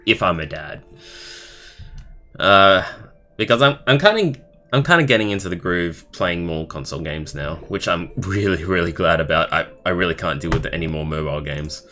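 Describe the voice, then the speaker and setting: A young man live streaming, reading a story aloud in a halting way and adding casual comments of his own. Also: sits low, sharp tone. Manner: halting, stumbling over words while reading. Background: background music.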